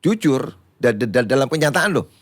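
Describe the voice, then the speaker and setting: A man, a pastor teaching in a lively conversational way who acts out quoted voices. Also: mid-range voice, normal speed, no echo. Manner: animated, acts out quoted voices, repeats words when excited. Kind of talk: conversational teaching on a church talk show.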